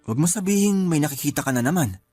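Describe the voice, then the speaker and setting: A man's voice: on the high side, lively intonation, fast talker, darkish tone, slightly rough, dry recording. An actor playing a grieving young man at his uncle's wake in a radio drama. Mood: sad. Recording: faint music under the voice.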